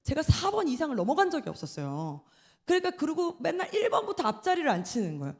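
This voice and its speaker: Lively woman preaching with animated pitch. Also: fast talker. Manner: storytelling, acting out quoted voices. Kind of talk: sermon at an evening prayer meeting. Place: church.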